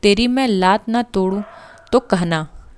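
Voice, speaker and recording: A woman voicing a thin, excitable male clerk who shouts abuse at a fellow passenger on a train. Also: mid-range voice, a little slow, clean tone, lightly acted. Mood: furious shouting. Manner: shouting, furious, abusive.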